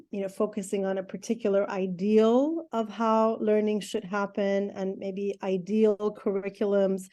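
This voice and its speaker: A woman's voice: mid-range voice, warm tone. A middle-aged woman from Iran, an educational therapist answering interview questions thoughtfully, with many ums and restarts.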